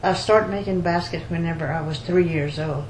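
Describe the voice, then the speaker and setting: Halting older woman in an echoey room. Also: fairly low pitch, steady tone, darkish tone. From rural Louisiana, United States. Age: 70s or older. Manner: halting, repeats phrases. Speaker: basket maker interviewee. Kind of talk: oral history interview, personal recollection. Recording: roomy echo, faint background noise.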